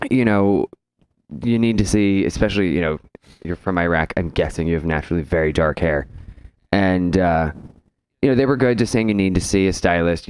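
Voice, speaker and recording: A man in his thirties co-hosting a hairdressing podcast in a salon, chatting casually into a boom mic and acting out what clients say. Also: a little mellow, smooth. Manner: storytelling, acts out quoted clients. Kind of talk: casual chat. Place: salon studio. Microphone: studio mic on boom arm, headphones.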